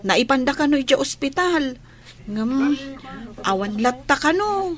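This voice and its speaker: A woman's voice: high voice, animated, a little slow. A woman playing a sympathetic teenage schoolgirl and loyal classmate in an audio drama, earnest and youthful. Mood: concerned. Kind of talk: Ilocano radio-style drama acting.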